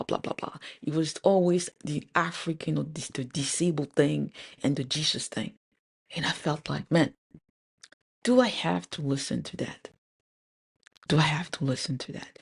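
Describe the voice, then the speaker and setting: Cameroonian woman venting through a storytime, gravelly edge, lots of ums. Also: low-pitched, darkish tone. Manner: candid, exasperated storytelling with frequent fillers. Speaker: podcast host. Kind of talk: storytime vlog.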